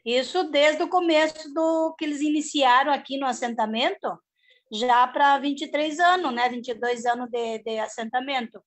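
A high-pitched middle-aged woman, speaking over a video call from her home. She rambles in a chatty, homespun way, restarting her sentences and tagging them with little checks. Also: moderate pace. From southern Brazil. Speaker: organic farmer. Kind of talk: casual video-call panel talk.

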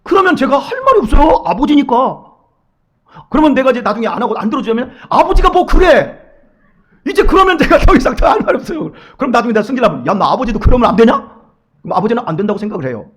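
High-voiced, fast, animated male preacher. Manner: animated, acts out his children and God in quoted voices. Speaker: pastor. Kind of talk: lively sermon with acted quotes. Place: church sanctuary.

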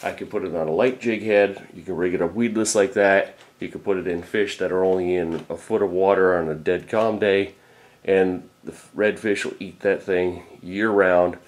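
A man's voice: deep voice, fairly even intonation, normal speed. A middle-aged man, a fishing guide, giving a casual off-camera talk about lures in a plain, practical way with frequent fillers. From Florida.

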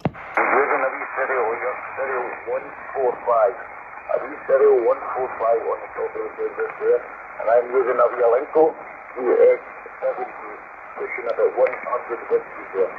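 A man's voice: mid-range voice, steady tone, moderate pace. A Scottish man chatting courteously as a CB radio operator, repeating his phrases and call signs over a single-sideband transmission. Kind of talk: CB radio contact chat. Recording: tinny, noisy CB radio reception. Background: radio static.

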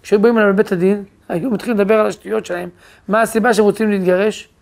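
A rabbi giving a religious lecture, telling family stories in a lively way that brings the people in them to life. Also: male voice, sits high, creaky. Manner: animated storyteller who acts out quoted voices.

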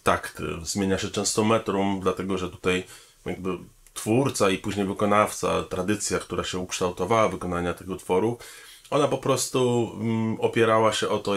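A man, a pianist and composer, speaking formally and thoughtfully about his work and pausing often on hesitation sounds. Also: sits low, fairly bright tone. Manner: measured and thoughtful, with frequent hesitation fillers; formal, polite address to the audience. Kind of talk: promotional talking-head statement.

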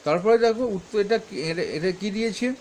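A man's voice: high-pitched, a little fast, a little mellow, slight background noise. A man teaching, reading questions aloud and answering them step by step, stopping often to correct himself. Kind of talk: explaining textbook answers.

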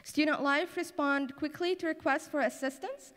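A woman's voice: sits high, steady tone, moderate pace, a bit bright. A young woman from the Middle East speaking on stage as a student presenter, in a prepared-speech style. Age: young adult. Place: large auditorium stage. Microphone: handheld microphone. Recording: echoey auditorium.

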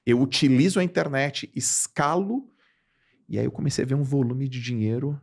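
A man from Brazil in his forties, a podcast guest telling stories in casual slangy chat, with big jumps in pitch for emphasis. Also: normal speed, gravelly, a little mellow, husky.

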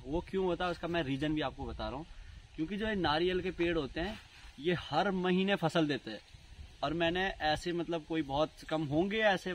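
A man records a casual travel vlog outdoors, talking straight to his viewers with eager chatter. His voice sits high, and steady outdoor noise runs under it from a simple camera mic. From Indian hill region. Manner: chatty, excited, addresses viewers as bhai. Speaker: travel vlogger. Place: outdoors by the sea and in a coconut grove. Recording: noisy outdoor camera audio.

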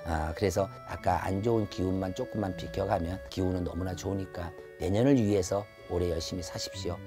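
A man's voice: low voice, steady tone, fairly quick. A man in his fifties giving an earnest, advisory zodiac fortune reading to camera as a shaman, repeating his phrases as he goes. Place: indoor shrine room. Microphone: lapel mic. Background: background music.

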